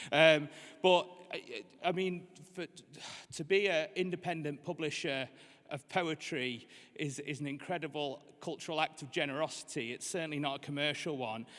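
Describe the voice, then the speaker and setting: Speaking with a North Staffordshire accent, a man with fairly high pitch keeps a moderate pace and ordinary pitch variation. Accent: North Staffordshire twang. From northern England, North Staffordshire. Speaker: poet, award winner. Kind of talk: acceptance speech. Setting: stage with audience at awards ceremony. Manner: halting, many fillers and repetitions.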